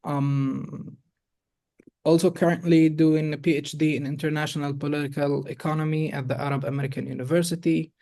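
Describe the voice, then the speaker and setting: A young man from Jerusalem, a guest on a podcast, explaining his organization slowly with many pauses and fillers over a video call. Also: fairly high pitch, level tone, dark tone. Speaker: guest, executive director of an organization. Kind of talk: podcast interview.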